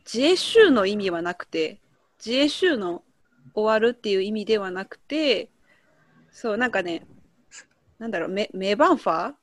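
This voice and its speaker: A woman's voice: medium pitch, big pitch swings, moderate pace, pauses often, dry recording, studio quality. A woman with a Kansai Japanese accent co-hosting a podcast, casually explaining slang with examples and laughing often. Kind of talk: casual chat lesson.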